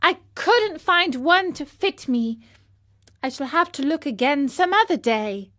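A woman's voice: high voice, animated, a bit bright, voice pushed up. A woman voicing an eager, earnest wooden puppet boy who talks in breathless, pleading bursts. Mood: evasive. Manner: breathless, pleading, rapid questions.

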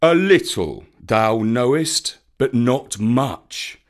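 A big old bear from a storybook, acted out by a man, stern and tender at once. The speech is slow and weighty, with forceful emphasis and archaic turns of phrase, swinging widely in pitch like a schoolmaster lecturing a pupil. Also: sing-song, exaggerated voice. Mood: grumbling. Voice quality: rumbling, weighty.

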